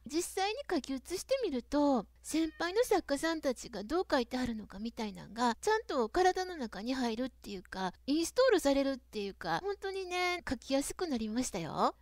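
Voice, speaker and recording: A novelist with a Kyoto accent giving a chatty, casual writing lesson to camera. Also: female voice, high voice, no echo, clean studio sound. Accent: Kyoto Japanese. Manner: chatty, frequent dialect sentence endings.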